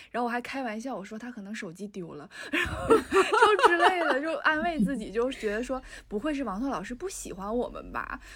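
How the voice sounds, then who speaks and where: Amid noticeable background noise, the voice moves at a fairly quick pace with very wide pitch swings and big swings in loudness. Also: woman, high pitch for a woman. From Northeast China, Liaoning. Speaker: podcast host. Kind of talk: casual interview.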